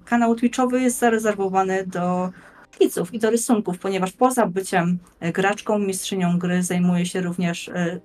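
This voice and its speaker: Measured woman guest, mid-pitched voice. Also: darkish tone. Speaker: guest, blogger and game master. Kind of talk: conversational explanatory presentation. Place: plain room indoors, on video call.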